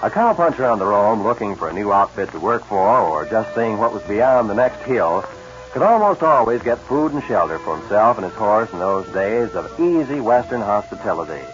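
A man in the manner of an old radio announcer, reading scripted copy with a very animated, swinging delivery. The recording is dull and lo-fi like vintage radio, with clear music behind him. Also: lowish voice, moderate pace.

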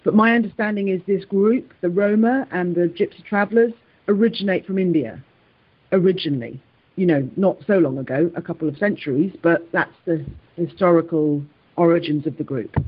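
A woman's voice: on the low side, husky, highs cut off. A British woman, a university professor, giving careful, hesitant answers with frequent restarts in an interview. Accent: British English. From United Kingdom. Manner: measured, hesitant, many restarts and fillers. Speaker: guest professor.

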